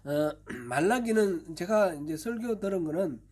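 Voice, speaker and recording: A male pastor giving an expository Bible-teaching sermon at a church service, patiently explaining with many fillers and often clearing his throat. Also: high voice, expressive, a little slow, darkish tone.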